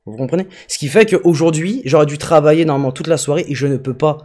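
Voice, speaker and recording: Quick, mellow-voiced man, politely insistent. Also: a little high. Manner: polite, insistent, hesitant, trying to explain. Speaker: customer calling tech support. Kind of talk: phone conversation.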